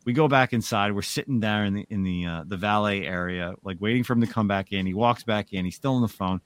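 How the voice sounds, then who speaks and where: A man hosting a casual comic book podcast, his voice sitting a little low. He tells stories in an animated way. The sound is dry and close, with no room around it. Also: fast talker, dry recording. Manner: animated storytelling. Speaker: podcast host. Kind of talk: casual chat.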